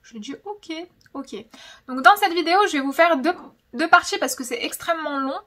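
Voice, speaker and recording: A woman's voice: high-pitched, animated, moderate pace, fairly bright tone. A young woman chatting casually in a storytelling vlog, dramatic and emphatic, often repeating words for effect. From francophone, of Algerian descent. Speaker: YouTube host.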